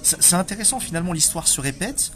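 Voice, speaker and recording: Male interviewer, rapid casual delivery, emphatic recaps. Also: high-pitched, animated, fairly bright tone, soft background music.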